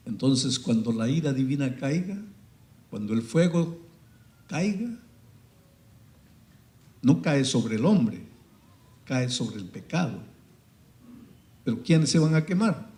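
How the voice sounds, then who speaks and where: A male pastor preaching a sermon, dramatic and storytelling, swinging between loud peaks and hushed passages. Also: medium pitch, expressive, takes it slowly, long pauses, reverberant.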